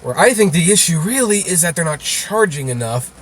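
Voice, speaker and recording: A man being interviewed, talking casually and explaining things in a halting way with repeated words. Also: fairly high pitch, animated, slightly rough. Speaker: interview guest, rideshare video creator.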